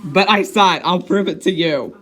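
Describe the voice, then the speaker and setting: A man's voice: high-pitched, normal speed, pushed and bright. A man voicing a grumpy storybook monster hunter, insistent, argumentative and easily annoyed, in a playful dramatic reading. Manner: argumentative, emphatic.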